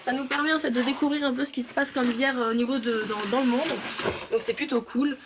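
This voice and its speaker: A woman talking casually through a haul vlog at home, chatty and halting with many fillers. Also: high-pitched, steady tone, echoey room, background noise. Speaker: vlogger. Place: home kitchen and garage.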